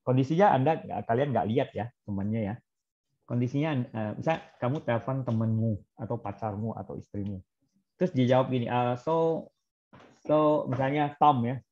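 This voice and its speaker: In an interactive online class, a male trainer keeps quizzing his trainees and drops in English example phrases. His mid-range voice has a dark tone and normal speed, captured in dull lo-fi audio.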